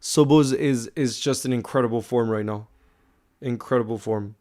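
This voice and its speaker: Young man, livestream host, casual fan chat, excited, mid-pitched. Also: moderate pace. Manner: hyped, calls viewers bro, many you-knows.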